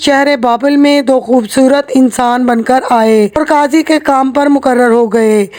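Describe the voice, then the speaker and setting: Against noticeable background noise, a woman speaks high in pitch with fairly even intonation. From Pakistan. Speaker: voice over artist. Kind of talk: religious story narration.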